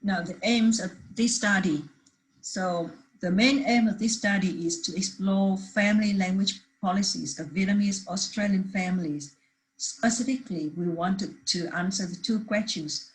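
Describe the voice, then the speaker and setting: A woman's voice: mid-range voice, moderate pace, slight background noise, poor audio. A woman presenting a research paper at a conference, reading steadily from prepared slides with the odd restart.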